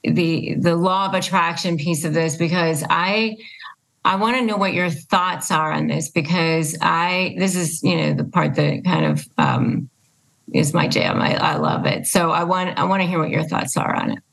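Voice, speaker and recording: A woman's voice: fairly low pitch, expressive, moderate pace, gravelly, fairly bright tone, poor audio. A woman hosting a casual conversational interview, speaking emphatically and repeating her points for stress. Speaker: podcast host and interviewer.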